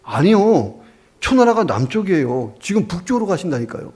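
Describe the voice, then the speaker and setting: A man's voice: sits high, big pitch swings, normal speed, darkish tone, voice pushed up. A man voicing a local who keeps insisting on directions to a traveler, with a raised, insistent delivery, told as a story in a sermon. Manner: insistent, increasingly exasperated.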